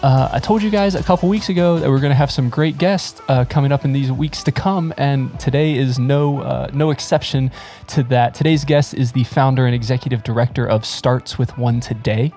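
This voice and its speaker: A man's voice: mid-range voice, moderate pace, dark tone, soft background music. A man hosting a podcast, welcoming listeners and introducing his guest in a friendly, upbeat way with a few "uh" fillers. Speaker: podcast host. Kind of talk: podcast intro and casual interview.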